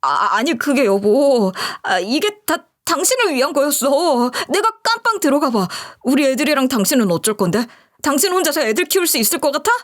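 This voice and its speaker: A cowardly, panicking man pleads and whines in a stammer, voiced by a woman narrator. His voice rides high and swings all over. It is a story radio reading. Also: very animated, a little fast, hardly any pauses. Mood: defensive.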